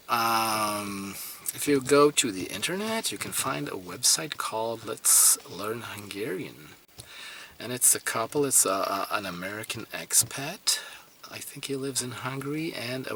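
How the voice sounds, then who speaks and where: A man whose first language is Swedish speaks slowly and hesitantly, often pausing on fillers and restarting his sentences. His voice is lowish but very bright. A faint hiss sits under the recording. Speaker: language learner vlogger. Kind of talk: casual talk to camera.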